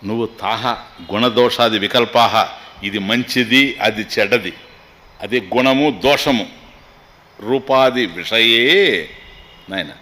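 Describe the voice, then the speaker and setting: A man giving a scriptural discourse as a swami. He chants Sanskrit lines slowly, then explains them quickly with humor. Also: on the low side, bright, forceful tone.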